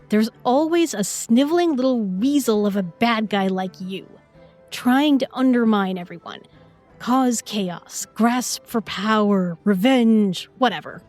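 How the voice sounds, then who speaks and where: A woman's voice: on the high side, darkish tone. An actress playing a feisty, sarcastic modern young woman in a fantasy audio drama, sassy and confrontational in casual slang. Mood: sarcastic challenge.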